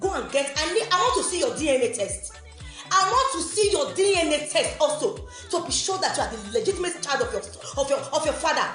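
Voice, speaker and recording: Furious woman, high and swooping. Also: sing-song, a little fast, a bit bright, reverberant, soft background music. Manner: heated, confrontational, repeats phrases. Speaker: aggrieved mother making an appeal. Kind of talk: angry recorded video rant.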